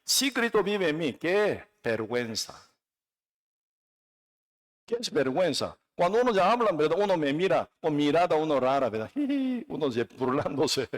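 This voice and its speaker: A man from Korea preaching a sermon with a Korean accent, non-native and halting in his phrasing, emphatic, with frequent tag questions. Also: on the high side, expressive. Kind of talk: sermon with personal testimony.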